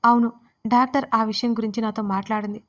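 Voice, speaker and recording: A woman's voice: fairly high pitch, fairly even intonation, quick pace, a bit bright, lightly acted. A woman voicing a firm, serious young man. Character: calm, reassuring young man, a caring friend.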